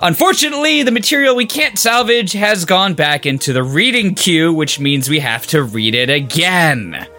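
A man uses a theatrical tone, high in pitch with very wide swings, at a moderate pace. Music sounds in the background. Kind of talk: mock-epic announcer intro, then laughing banter. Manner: theatrical, gleeful, dry-humored.

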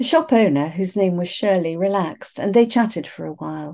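In a British accent, a woman with a medium pitch and a dark, mellow tone talks at a moderate pace against a quiet background. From England. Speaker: author. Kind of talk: reading aloud.

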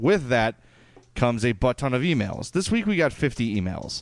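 With an American accent and a normal speaking voice, a man talks at a moderate pace and medium pitch over a quiet background. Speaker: podcast host. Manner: conversational, upbeat.

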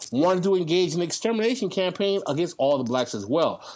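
A man in a New York accent at a very fast pace, with very wide pitch swings. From New York City. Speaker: political commentator. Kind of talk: interview.

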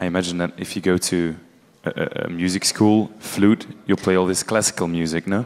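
This man talks at a very deep, low pitch in a Flemish accent, his intonation monotone and flat. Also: moderate pace. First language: Dutch. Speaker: podcast host. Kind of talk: live interview on stage. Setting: stage with audience.

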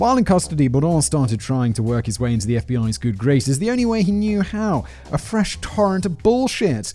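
With a British accent, a man talks at a fairly quick pace and fairly high pitch, barely pausing, his pitch swinging very widely. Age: 30s. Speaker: podcast host. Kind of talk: reading a script aloud with casual commentary.

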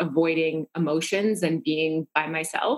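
A woman with an American accent and a normal speaking voice, fairly low in pitch, at a fairly slow pace. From North Dakota, US Midwest. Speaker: Reiki practitioner and wellness coach. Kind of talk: interview.

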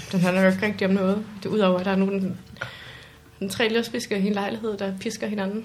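Speaking very fast yet with long, frequent pauses, a woman at medium pitch sounds somewhat breathy, her intonation monotone and flat, and the room echo is audible. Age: 20s. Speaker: comedian. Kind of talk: casual chat.

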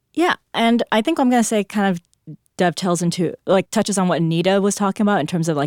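The speaker has an American accent and ordinary pitch variation at a fairly quick pace. The sound is dry and close with no echo, on a very clean recording with a silent background. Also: woman. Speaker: journalist and editor. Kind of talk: panel discussion.

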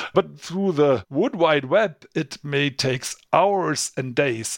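A man speaks at a fairly slow pace with a German accent. His pitch is fairly high. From Germany. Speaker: forester and author. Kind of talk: interview.

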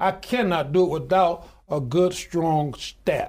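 A high-pitched male voice with a Southern US accent, fairly slow pace and ordinary pitch variation, in a very clean recording with a silent background. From US South, Alabama. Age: 60s. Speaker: union leader. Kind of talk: interview.

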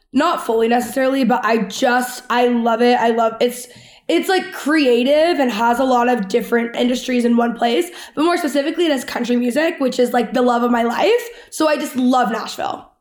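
Over noticeable background noise, a woman with an American accent speaks fairly quickly at a high pitch, with ordinary pitch variation and very even loudness. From Texas. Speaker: lifestyle content creator and podcaster. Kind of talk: interview podcast.

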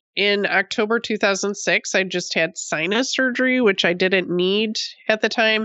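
A woman's unremarkable speaking voice, medium in pitch, at a fairly slow pace with fairly even intonation. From US Northeast, Buffalo, New York. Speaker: nurse and celiac consultant. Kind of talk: interview.

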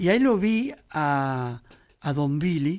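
A man in a very clean recording, silent background. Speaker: jazz drummer. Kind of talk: casual chat.

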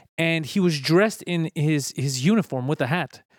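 On a very clean recording with a silent background and a dry, close sound with no echo, a normal speaking voice with a Canadian accent varies its pitch in an ordinary way. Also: man. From Canada, Montreal. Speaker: comedian guest. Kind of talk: casual chat.

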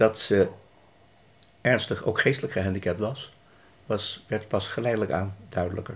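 With long, frequent pauses, a man talks at a moderate pace in a somewhat breathy voice, fairly low in pitch with fairly even intonation. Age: 70s. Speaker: retired physician and grandfather. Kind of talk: interview.

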